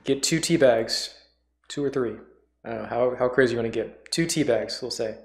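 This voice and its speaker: A man's voice: mid-range voice, normal speed, vocal fry. A man hosting in a casual, offhand, rambling way. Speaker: host. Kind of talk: casual chat. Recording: echoey room, music and radio play behind.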